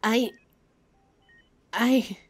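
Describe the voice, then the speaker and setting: A woman playing a devoted, distraught young werewolf in an audio drama, halting and pleading as she speaks of her mate. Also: a little high, steady tone, husky, heavily acted. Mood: distressed, shocked. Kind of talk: amateur audio drama acting.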